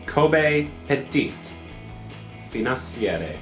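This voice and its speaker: A man chatting casually off to the side while tasting snacks, answering in short, dry, low-key remarks. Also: very animated, very slow, a bit bright, soft background music. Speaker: vlogger's husband. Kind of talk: casual chat while taste-testing.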